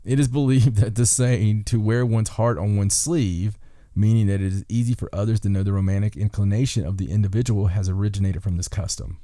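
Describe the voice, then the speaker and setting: A man's voice: on the low side, fairly even intonation, brisk, dark tone, no echo. A man hosting a podcast, reading out folklore in a casual way with dry, joking asides. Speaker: podcast host.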